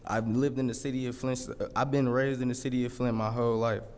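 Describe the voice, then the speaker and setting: An eighteen-year-old man giving a halting, hesitant public comment at a city council meeting. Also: medium pitch, little pitch movement, darkish tone, a little hiss or hum. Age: teens. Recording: long reverb of a council chamber.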